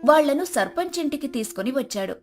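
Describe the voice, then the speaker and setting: A woman's voice: high voice, lively intonation, quick pace, a little mellow. A woman narrating a scripted moral folk story. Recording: flute music behind the voice.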